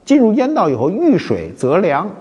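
A man's voice: high voice, wildly swooping pitch, normal speed, mellow, slightly rough, long reverb tail, lo-fi sound. An older man, hosting a casual talk on antiques with wry, storytelling asides. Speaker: host of a web talk show. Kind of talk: casual spoken lecture on antiques.

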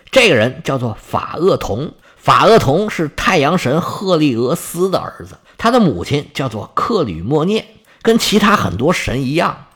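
Brief: male storyteller, husky, animated, slightly high. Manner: lively colloquial storytelling. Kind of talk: storytelling of myths.

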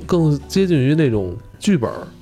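A man, co-hosting a podcast in a relaxed, chatty way with mild swearing. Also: fairly high pitch, normal speed, soft background music. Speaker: podcast co-host. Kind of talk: casual podcast chat.

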